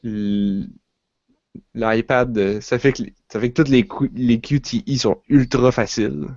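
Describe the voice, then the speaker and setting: A man with a Quebec French accent talks loosely on a podcast, circling back on his words with fillers and restarts. His voice sits at a middle pitch. The recording is dry and a little dull. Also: fairly even intonation, measured pace, darkish tone, dry recording. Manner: rambling, many restarts and fillers. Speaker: podcast co-host. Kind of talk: casual chat.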